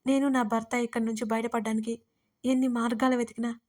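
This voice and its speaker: A woman voicing a frightened, tearful young servant woman who pleads in a hushed, urgent way in an audio story. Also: a little high, flat delivery, fairly quick, lightly acted. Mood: pleading.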